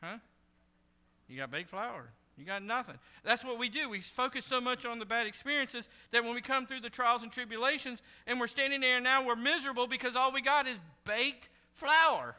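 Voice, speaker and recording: A man preaches in a church sanctuary, his high, piercing voice carrying a long hall reverb. He talks with the congregation conversationally, then sinks into hushed asides and rises to loud, shouted warnings. The tone stays smooth and clear throughout. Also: moderate pace. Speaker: pastor. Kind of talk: sermon.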